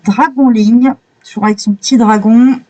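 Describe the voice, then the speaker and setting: Mellow-voiced woman gushing over pages. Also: fairly high pitch, fairly even intonation, normal speed, dull audio. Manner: admiring, exclamatory. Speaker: coloring book reviewer. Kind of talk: casual flip-through commentary.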